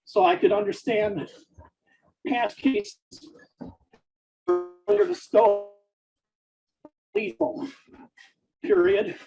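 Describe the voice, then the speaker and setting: A low-quality recording captures a gravelly, husky, dark-toned mid-range voice dictating a story haltingly, phrase by short phrase, with each punctuation mark spoken.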